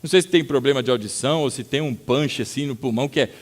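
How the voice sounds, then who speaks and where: A man with a Brazilian Portuguese accent preaching a sermon as pastor, telling stories with sudden loud acted-out outbursts and calling his listeners brother. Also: medium pitch, fast. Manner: addresses the congregation as brother.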